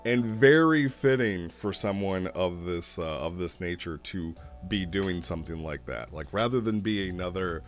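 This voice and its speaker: A man giving casual, amused commentary as a host retelling roleplay stories in a halting way. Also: low voice, expressive, soft background music. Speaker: host reviewing online roleplay sessions.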